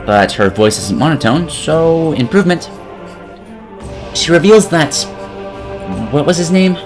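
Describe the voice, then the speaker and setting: A man narrating a scripted comedic video game review in a sarcastic, mock-dramatic manner. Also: medium pitch.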